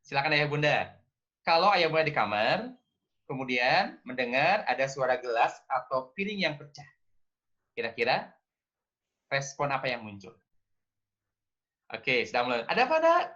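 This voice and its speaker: Brief: man, parenting talk host, bright forceful voice, a bit high, muffled audio. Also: expressive, normal speed, pauses often. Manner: engaging, asks audience, acts out scolding parents. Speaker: parenting speaker.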